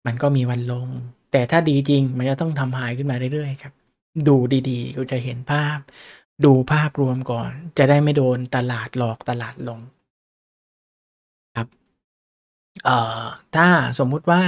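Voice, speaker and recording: A man hosting a casual livestream on stock analysis, talking chattily and often asking his viewers rhetorical questions. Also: mid-range voice. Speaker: stock market livestream host.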